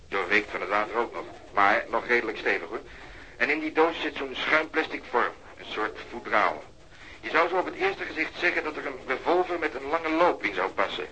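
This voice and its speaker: An actor playing a teasing, long-winded male police colleague in a radio crime drama, telling things in a sly, drawn-out way. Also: mid-range voice, lively intonation, bright, forceful tone, a little hiss or hum, rough recording.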